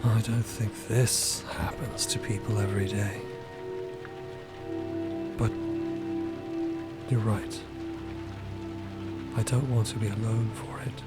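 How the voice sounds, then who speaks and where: A man plays a despondent, fearful soul in an audio drama. The voice is fairly low and very slow, halting and subdued. Loud music swells underneath. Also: steady tone. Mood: afraid, vulnerable. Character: Dot, hesitant, despondent, fearful dead friend. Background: loud music and rain sounds.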